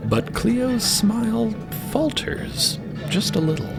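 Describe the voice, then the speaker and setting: A man's voice: very high voice, animated, slow, creaky. A man narrating a scripted audio drama. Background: loud background music.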